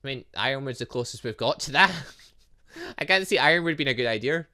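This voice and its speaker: A man giving let's play commentary on a game, reading text aloud with rambling asides as he thinks out loud. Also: mid-range voice, animated, a little fast. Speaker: gaming channel host.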